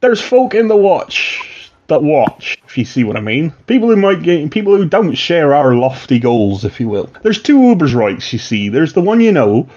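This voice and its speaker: A man voicing a male town-watch veteran with a West Country accent, talking in a low, conspiratorial, folksy way, on a dull lo-fi recording. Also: very animated, moderate pace, a little mellow. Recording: dull lo-fi sound.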